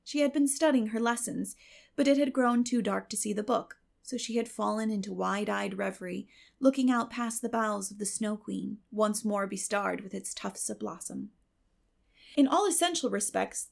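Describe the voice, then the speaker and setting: A woman's voice: medium pitch, moderate pace, vocal fry. A woman giving a scripted, dramatic literary narration as an audiobook reader.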